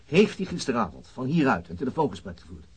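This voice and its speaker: An actor playing a persistent, formally polite police detective who questions tersely, in a naturalistic radio drama. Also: male voice, medium pitch, big pitch swings, quick pace, breathy edge, low-quality recording. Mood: formal, probing.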